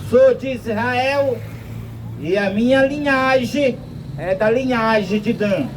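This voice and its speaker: A man from Brazil preaching a slow, emphatic street sermon outdoors, quoting scripture at length. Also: very high-pitched, noisy background.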